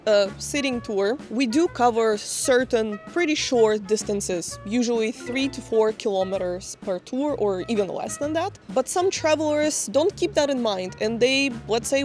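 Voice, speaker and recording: A woman's voice: fairly high pitch, a little mellow, faint music behind. Young woman guide talking on a street. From Czech Republic. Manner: brisk, explaining. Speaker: tour guide. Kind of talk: vlog talking to camera. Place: cobbled city street outdoors. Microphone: handheld mic.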